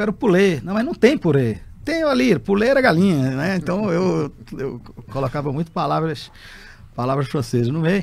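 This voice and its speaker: A man speaks at a fairly slow pace and a fairly high pitch. His pitch swings very wide. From Brazil (early childhood in Algeria). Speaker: company executive. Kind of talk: podcast interview, life story.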